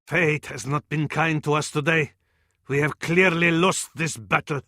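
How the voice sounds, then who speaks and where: High-voiced, fervent Arab battlefield advisor. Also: male voice, steady tone, unhurried, sharp tone, no echo, clean studio sound. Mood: mournful. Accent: Arabic. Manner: ornate, dramatic, proverb-laden delivery. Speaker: military advisor in a strategy game. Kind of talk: theatrical video game voice acting.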